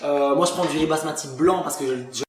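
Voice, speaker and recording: A man's voice: a little high, fairly even intonation, brisk, roomy sound. A man from Belgium with a Liège accent, hosting a casual nutrition cooking show, talking with many fillers and now and then bursting into emphatic exclamations. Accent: Belgian French, Liège. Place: kitchen with people around.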